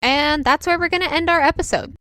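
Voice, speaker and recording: A woman's voice: high-pitched, brisk, music in the background. A woman speaking as game master and host of a tabletop roleplaying podcast. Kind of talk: podcast game narration and scripted outro.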